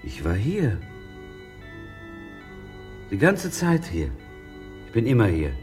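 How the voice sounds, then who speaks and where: An actor in a radio drama playing a fatherly Jewish sage, consoling and sardonic, with a deliberate storytelling manner. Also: on the low side, huge pitch swings, a little mellow, soft background music, heavily acted. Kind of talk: stage-like radio drama acting.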